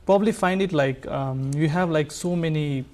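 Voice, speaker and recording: A man's voice: on the high side, normal speed, darkish tone. Hesitant man. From Nepal. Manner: hesitant, many fillers and restarts. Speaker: musician guest, sarangi player. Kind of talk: casual interview talk.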